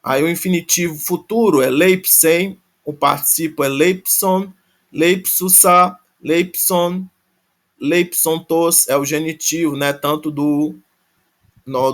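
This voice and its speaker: A slow, unhurried man with a fairly high voice walks through a grammar lesson. He thinks aloud, restarts his sentences and spells out verb endings one syllable at a time. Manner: thinks aloud, many restarts and tag questions. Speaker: Greek teacher. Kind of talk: casual recorded grammar lesson.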